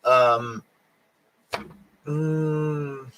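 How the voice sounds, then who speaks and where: A man live-streaming from home while drunk, talking loosely and at length. His speech stumbles along with fillers and restarts, and his voice is wearing a little hoarse. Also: a little high, steady tone, fairly bright tone. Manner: rambling, halting, many fillers and restarts. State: voice going hoarse. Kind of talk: rambling late-night live stream chat. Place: home in Japan.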